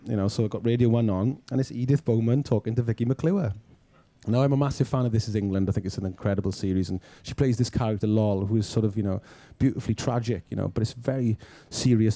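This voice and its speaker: Man from Wales, quick and lively raconteur who laughs and acts out quotes; very dark timbre. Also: mid-range voice, no echo. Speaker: film director guest. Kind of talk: anecdotal storytelling.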